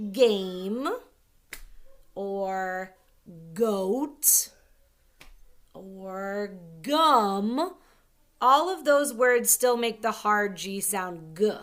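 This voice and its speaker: Bright, slow-spoken woman teaching young readers. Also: a little high. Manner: slow, clear sounding-out of words; encouraging, upbeat teacher talk. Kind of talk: early-grade reading lesson.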